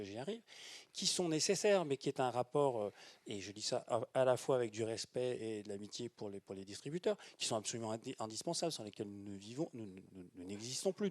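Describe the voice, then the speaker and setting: Lively, emphatic male panelist. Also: mid-range voice, dry recording. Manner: emphatic, stumbling restarts. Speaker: company president, panelist. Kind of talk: panel discussion. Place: conference hall.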